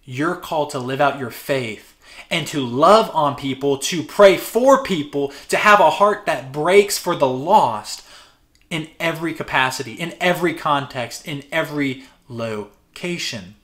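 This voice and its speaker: A man's voice: on the high side, measured pace, fairly bright tone. A man preaching a sermon to his congregation, earnest and conversational, repeating words for emphasis and acting out everyday prayers. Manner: voices imagined prayers in an easy conversational tone. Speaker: pastor.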